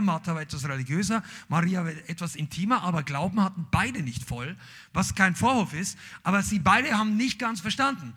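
A man's voice: high voice, breathy edge. A man preaching a sermon, reading scripture aloud and then driving his point home with emphatic, rising outbursts. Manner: emphatic, rising to shouts on key lines.

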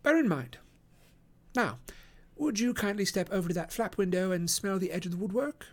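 Guy doing a bossy victorian detective, higher voice, crisp and quick to give orders, audiobook style. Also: animated. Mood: brisk. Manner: crisp, directive, instructing. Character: brisk commanding Victorian male detective. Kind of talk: audiobook character voice.

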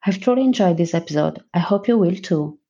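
Woman presenter, measured read intro, a bit lo-fi. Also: lowish voice, animated, dark tone, slight background noise. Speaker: podcast presenter. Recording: slightly dull recording.

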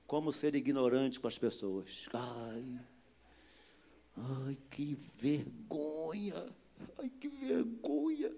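A pastor with a Rio de Janeiro accent, preaching a sermon with lively storytelling that builds to loud, emphatic exhortation. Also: male voice, mid-range voice. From Rio de Janeiro area, Brazil.

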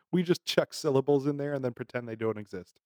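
A man's voice: mid-range voice, darkish tone, dry recording, clean studio sound. A man from Massachusetts co-hosting a podcast in casual chat, telling stories in a rambling way and laughing often. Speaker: podcast co-host.

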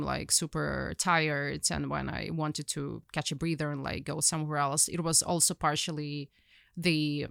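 A woman's voice: sits low, gravelly, fairly bright tone, clear, resonant tone, no echo, clean studio sound. A young woman with a Ukrainian accent, a journalist guest telling her story in casual conversation, rambling with many fillers and restarts.

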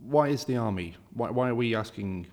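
A man's voice: mid-range voice, expressive, moderate pace, darkish tone, big-room sound. A man hosting a casual interview podcast, chatty and rambling, with lots of restarts in his questions. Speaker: podcast host.

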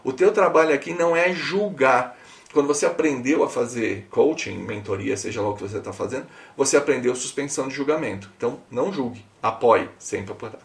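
Emphatic Brazilian man with a gravelly voice. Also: medium pitch, a little fast, far from the mic. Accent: Brazilian Portuguese. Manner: emphatic, talks straight to the listener. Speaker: podcast host, coach. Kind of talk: podcast monologue.

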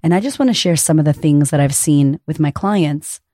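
A woman in her thirties with a raspy voice, hosting a podcast as a confidence coach and speaking frankly and encouragingly, with the odd curse, straight to the listener. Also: low-pitched, moderate pace, dark tone, no echo, studio quality. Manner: frank, profane and encouraging, addresses listener directly. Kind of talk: casual podcast monologue.

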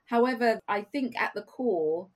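A woman guest on an interview podcast, a career coach, explaining her views in a measured way with rhetorical questions. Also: on the high side, expressive. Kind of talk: conversational interview.

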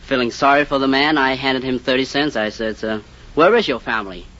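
A man competing on a radio quiz show, telling a joke in a deadpan, halting way. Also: mid-range voice. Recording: dull old radio broadcast, heavy hiss, roaring audience.

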